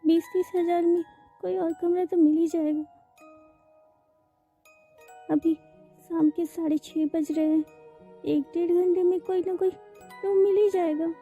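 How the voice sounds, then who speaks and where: A frightened young woman, voiced by a woman, talks slowly and anxiously, stumbling over her words. Her voice is very high. Soft music plays behind her. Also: steady tone, highs cut off. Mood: worried. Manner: anxious, stammering.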